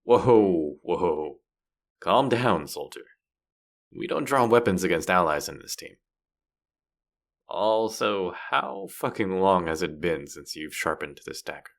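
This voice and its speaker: A bratty young rogue from a fantasy roleplay , acted by a man, with a very deep voice and a gravelly, creaky edge. He is a sardonic, swearing street rat who needles the listener with cocky banter. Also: lively intonation, slow, full character voice. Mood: taunting. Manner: teasing, foul-mouthed, sardonic banter. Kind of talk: character roleplay audio drama spoken to the listener.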